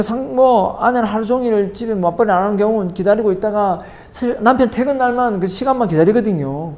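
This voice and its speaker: A woman lecturing in a parenting course, who keeps asking her listeners rhetorical questions and acts out what spouses say to each other. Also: mid-range voice. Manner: keeps checking in with the audience through rhetorical questions; acts out spouses' lines in lively quoted dialogue.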